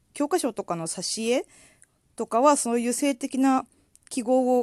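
A woman talks at a fairly slow pace with a fairly high pitch. The recording is very clean with a silent background, and the sound is dry and close with no echo. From Shikoku, Japan. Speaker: solo talk podcaster. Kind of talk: casual monologue. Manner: casual, many fillers.

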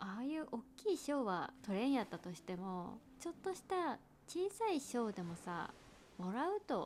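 A woman with a Fukuoka accent, fairly slow in pace, her pitch swinging very widely. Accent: Hakata dialect. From Hakata, Fukuoka, Japan. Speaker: podcast host. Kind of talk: casual chat. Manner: relaxed, slow.

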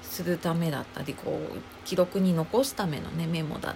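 Background noise is noticeable here. Through it comes a woman's fairly low voice. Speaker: podcast host and welfare worker. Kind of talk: solo talk show monologue. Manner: halting with many fillers.

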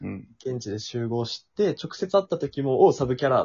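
Somewhat breathy, fairly quick delivery with very wide pitch swings. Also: man. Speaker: podcaster. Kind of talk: casual chat.

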